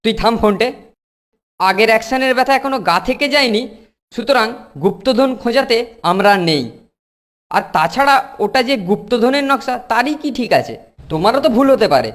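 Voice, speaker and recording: A woman's voice: a little high, animated, brisk, natural voice. A woman voicing a crafty, cheeky young schoolboy who grumbles and protests in a comedy cartoon. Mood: defiant. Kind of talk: animated comedy cartoon dialogue.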